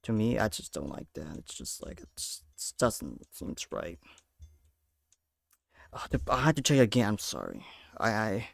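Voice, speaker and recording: A man from Peru streaming, rambling through casual reaction chat with halting restarts. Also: on the low side, big pitch swings, creaky, no echo, clean studio sound.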